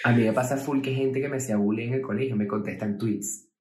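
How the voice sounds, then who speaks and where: A man's voice: medium pitch, steady tone, fast. A young man with a Venezuelan accent, laid-back and slangy, retelling what people said in casual podcast chat. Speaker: podcast co-host. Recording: roomy echo.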